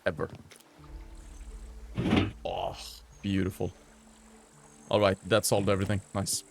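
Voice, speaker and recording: A man hosts a gaming video, offering casual gameplay commentary full of slang and excited outbursts. His voice is lowish with vocal fry.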